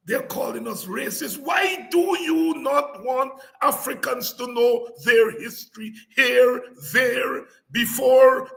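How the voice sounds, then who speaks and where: A middle-aged man giving an impassioned political address, repeating phrases and rising into shouts. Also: very high-pitched, vocal fry. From Guyana. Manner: fiery, declamatory, repeats phrases for emphasis, breaks into shouts. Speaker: podcast host and political speaker.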